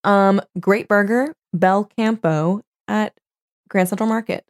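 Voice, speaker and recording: A woman's voice: mid-range voice, slow pace. A woman co-hosting a podcast in casual chat, reading book passages aloud with playful emphasis. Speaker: podcast co-host. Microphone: studio microphone.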